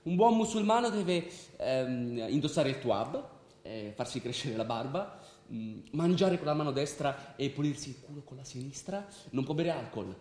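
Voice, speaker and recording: An actor playing a pragmatic Muslim believer, frank and instructive, in a theatrical radio drama. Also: male voice, animated, moderate pace, darkish tone, natural voice. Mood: frank, emphatic. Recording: very echoey stage, faint rumbling noise.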